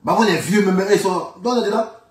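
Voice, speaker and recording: Heard from a distance in an echoey room, a man from Ivory Coast speaks briskly in a high voice. He has an Ivorian French accent and gives informal political commentary, insisting on his views and repeating phrases emphatically.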